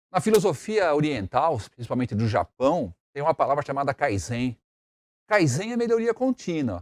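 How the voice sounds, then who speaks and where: A man with a fairly high pitch speaks at a moderate pace, his pitch swinging very widely. The recording is very clean with a silent background and a dry, close sound with no echo. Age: 60s. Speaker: motivational speaker. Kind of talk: motivational talk to camera. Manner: animated.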